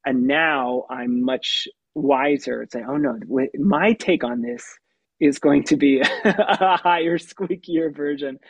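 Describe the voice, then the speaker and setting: A puppeteer and voice actor talking through his craft in an interview, with a light, youthful tenor voice and an animated manner that breaks into laughs. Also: fairly high pitch, takes it slowly, gravelly, husky, no room sound. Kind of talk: conversational interview answers.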